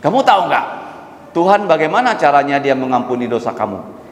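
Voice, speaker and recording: A man teaching children in church, animated and asking them questions again and again. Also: mid-range voice, brisk, a little hiss or hum. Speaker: children's Sunday school teacher. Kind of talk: children's sermon. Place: church hall. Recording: echoey church hall with long reverb.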